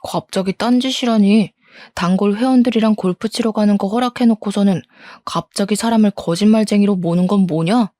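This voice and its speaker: A woman's voice: mid-range voice, brisk, warm tone, dry recording, studio quality, natural voice. A woman voicing a defensive, scornful cheating husband in a story reading. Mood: irritated. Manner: defensive, scornful, blame-shifting. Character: angry cheating husband, middle-aged man. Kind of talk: storybook role-play.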